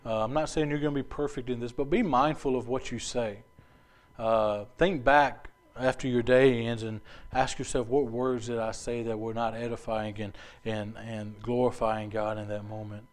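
A man's voice: a little high, clear, resonant tone. A man preaching a sermon to his congregation in an earnest, conversational way, with casual asides.

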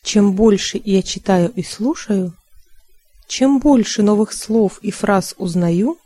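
A woman reading a language-learning text aloud in a slow, calm, deliberate way. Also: mid-range voice, husky, dry recording.

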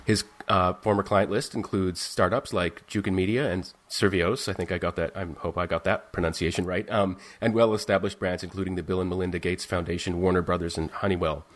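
A man hosting a podcast interview, asking questions in a measured way with frequent filler sounds. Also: sits low, steady tone. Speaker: podcast host.

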